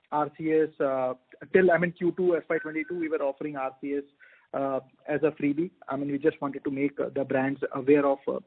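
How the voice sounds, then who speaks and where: A man with an Indian accent, a company executive explaining results on a call, very halting with many uhs and restarts. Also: a little high. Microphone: telephone conference call. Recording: tinny narrowband phone line.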